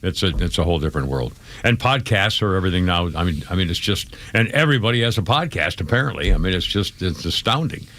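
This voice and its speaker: A man's voice: deep voice, animated, fast talker, a bit bright. A man hosting a talk radio show, chatting casually and rambling with frequent restarts and laughs.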